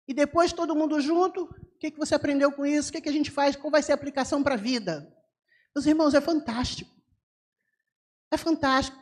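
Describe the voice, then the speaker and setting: A woman missionary speaking in a church service, telling her story with lively voice imitations. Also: high-pitched. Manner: animated storyteller, mimics voices of locals. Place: church sanctuary.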